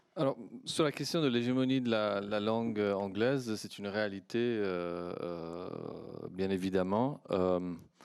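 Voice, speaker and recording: With a Persian accent, a man speaks at a very slow pace in a fairly low voice with ordinary pitch variation. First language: Persian (speaking French). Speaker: historian, senior lecturer in the UK. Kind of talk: panel discussion answer. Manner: halting, many hesitations.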